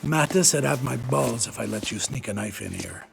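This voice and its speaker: An actor playing a rough, wary convict door guard in a video game, blunt and coarse. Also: male voice, mid-range voice, lively intonation, moderate pace.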